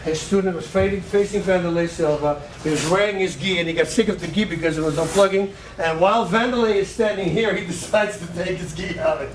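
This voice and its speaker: Counting combinations and shouting cues over punch sounds, a high-voiced martial arts coach drives a striking class at a training gym. He speaks briskly with hardly any pauses, sounding far off in a large hall with faint background noise.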